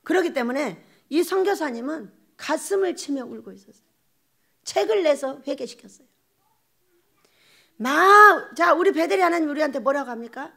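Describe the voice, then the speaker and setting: Woman pastor giving a sermon, high voice, acts out little quotes, laughs a lot. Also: moderate pace, creaky, long pauses. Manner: animated storytelling with laughter and acted-out quotes. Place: church sanctuary.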